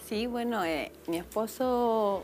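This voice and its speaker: A woman with a Chilean accent, fairly high pitch and ordinary pitch variation, with music in the background. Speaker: church women's ministry worker. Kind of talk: testimony.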